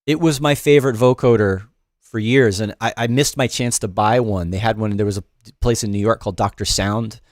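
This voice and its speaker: A man's voice: fairly low pitch, steady tone, brisk, dry recording. A middle-aged man hosting a loose, off-the-cuff livestream music production lesson from his studio, greeting chat viewers with many fillers and restarts. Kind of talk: casual livestream tutorial, chatting with viewers. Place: home studio in New York.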